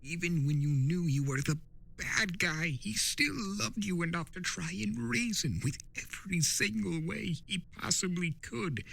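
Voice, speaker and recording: A man voicing an impassioned, scolding male spirit of chaos with theatrical, drawn-out emphasis in a dramatic story reading. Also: high voice, gravelly, a bit bright, pitched above the performer's own voice, exaggerated voice. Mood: impassioned, accusing. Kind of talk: dramatic fan-fiction reading.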